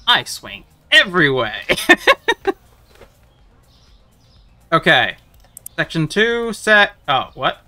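A man streaming a game, talking casually with chat and breaking into loud playful rants. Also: fairly high pitch, sing-song, measured pace. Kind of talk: casual live-stream chat while gaming.

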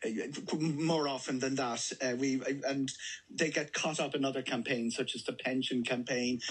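A man's voice: medium pitch, fairly even intonation, normal speed, husky. A middle-aged Irish man explaining the news as a studio guest, correcting himself as he goes. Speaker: travel journalist, studio guest. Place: small radio studio. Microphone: studio microphone on table stand.

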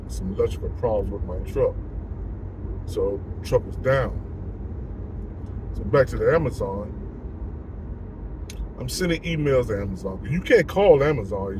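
A man's voice: mid-range voice, background noise. A middle-aged man, a truck driver, talking casually to a phone camera from inside his car, frustrated and repeating himself as he vents. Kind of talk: casual vlog talk to camera. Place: inside a parked car by day. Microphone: phone camera held close.

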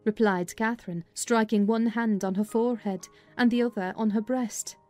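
A woman's voice: fairly high pitch, fairly even intonation, moderate pace, darkish tone. A woman narrating a dramatized audiobook of a classic novel in the first person. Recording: music under the voice.

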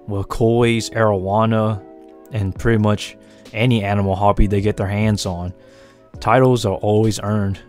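This is relaxed, rambling voice-over from a young US tarantula breeder who hosts a channel about his hobby, and he's self-deprecating throughout. He has a deep voice and an American accent with a slight Asian tinge, which he himself remarks on. Soft music runs faintly beneath narration recorded separately from the pictured footage.

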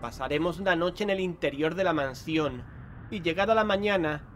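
Man as a higher-voiced resolute investigator over music. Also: moderate pace, fairly bright tone, natural voice. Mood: firm, resolute. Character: resolute, solemn male investigator leading and narrating. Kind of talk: dramatic scripted audio drama narration.

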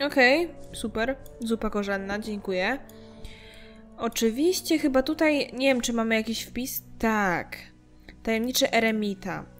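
A young adult woman giving casual let's-play commentary, chatting and muttering to herself as she plays. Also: on the high side. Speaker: gameplay streamer. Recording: game music faintly behind.

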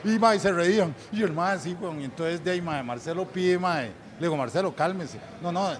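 A man's voice: on the high side, a little fast, breathy edge. A middle-aged Costa Rican man telling anecdotes in casual chat, acting out the voices of the people in his stories. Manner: animated, acts out quoted voices loudly. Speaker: guest storyteller.

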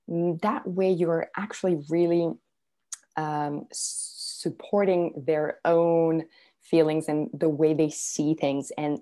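A woman's voice: sits low, gravelly, mellow. A woman from Serbia, a parenting coach, talking earnestly as a guest, with many fillers and restarts. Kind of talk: casual interview talk.

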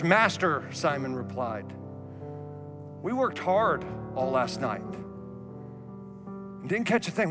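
A man in his thirties preaching a sermon on a church stage through a headset mic, animated and moving around, dropping to a soft low voice for emphasis. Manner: animated, gestures widely while pacing the stage. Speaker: pastor. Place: large church auditorium stage. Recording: reverberant hall, faint music.

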